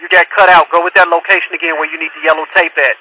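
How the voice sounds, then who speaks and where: Sharp, bright male police dispatcher on radio. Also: a little high, level tone, very fast, slightly rough, no echo. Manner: clipped, procedural. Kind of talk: radio dispatch, relaying and repeating reports. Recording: noisy police scanner radio recording.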